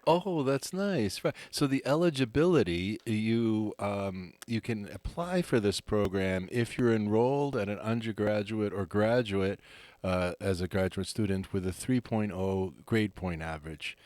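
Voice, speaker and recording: Chatty low-voiced male radio host. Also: unhurried, darkish tone, dry recording. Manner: chatty, many fillers and restarts. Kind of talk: live radio interview. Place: radio studio.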